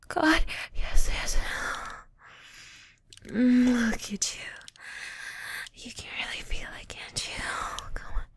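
A young woman performing an intimate roleplay, talking in a teasing, breathy manner and often dropping to a whisper close to the microphone. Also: sits high.

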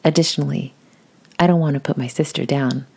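Low raspy whispering woman. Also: steady tone, brisk. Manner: soft, breathy whisper. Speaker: audio creator reading posts. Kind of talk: casual whispered reading aloud.

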